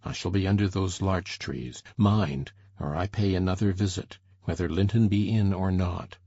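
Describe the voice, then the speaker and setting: An actor playing Heathcliff, a fierce, desperate, brooding man, speaking low and urgent in a dramatized audiobook reading. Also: moderate pace, warm tone, breathy edge, no echo. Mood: grim. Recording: dull lo-fi dry recording.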